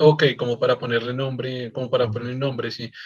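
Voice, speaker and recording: A man with a Colombian accent talks at a fairly quick pace in a somewhat breathy voice. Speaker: podcast host. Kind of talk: casual discussion. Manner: halting, repetitive.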